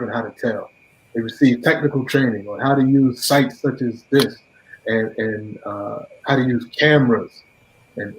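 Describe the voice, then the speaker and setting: Man, program director, measured speech full of fillers, dull lo-fi audio, middle pitch. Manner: measured, with many fillers and restarts. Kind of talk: ceremony speech. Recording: dull lo-fi sound.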